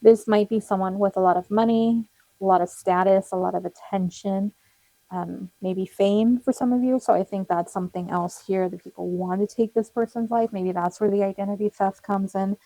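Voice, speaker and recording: A young woman giving a casual tarot card reading, chatty and rambling with little laughs, her voice hoarse and cracking. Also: medium pitch, fairly even intonation, moderate pace, mellow, dry recording, low-quality recording. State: losing her voice, slightly cracking.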